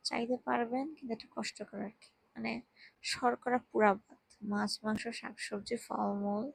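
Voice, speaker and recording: A tired young woman, speaking very softly while lying down at home, giving casual health advice into a handheld mic. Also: a little high, little pitch movement, moderate pace, gravelly, husky, no room sound, low-quality recording. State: tired, drowsy. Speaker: vlogger. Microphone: handheld microphone.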